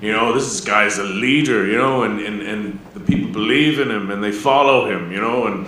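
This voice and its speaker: A man talks at a fairly slow pace with fairly low pitch and ordinary pitch variation over noticeable background noise. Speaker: voice actor. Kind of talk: convention panel talk. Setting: convention panel stage.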